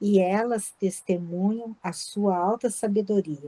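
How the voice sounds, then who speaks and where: Soft-spoken and dark and mellow in tone, a woman talks fairly slowly at medium pitch with ordinary pitch variation, the sound dry and close with no echo. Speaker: spiritist study group leader. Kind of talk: reading aloud.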